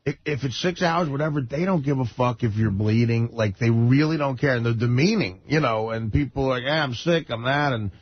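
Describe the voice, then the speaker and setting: A man's voice: mid-range voice, brisk, few pauses, slight background noise. An American man chatting casually on a radio show, rambling, blunt and coarse-mouthed. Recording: muffled radio broadcast recording.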